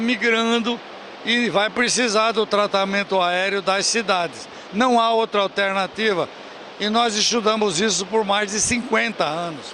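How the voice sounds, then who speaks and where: A man's high, raised, projected voice at a fairly slow pace, with fairly even intonation and noticeable background noise. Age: 80s+. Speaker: agronomist, agricultural aviation pioneer. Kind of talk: interview answer.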